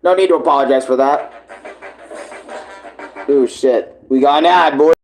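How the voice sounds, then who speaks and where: A man's voice: medium pitch, a little slow, soft background music. A man doing casual live reaction commentary as a streamer, talking in slang and swearing. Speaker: livestreamer reacting to a comic dub series.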